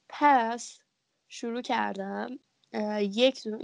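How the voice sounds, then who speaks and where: The speaker is a woman. Her pitch is fairly high. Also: dry, close sound with no echo. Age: 20s. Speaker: photographer and art student. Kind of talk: casual chat.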